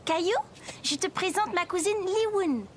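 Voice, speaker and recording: A friendly little girl in a French children's cartoon. Her voice is very high, and she explains things simply and confidently. Music runs underneath. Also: moderate pace. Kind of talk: French-dubbed preschool cartoon acting.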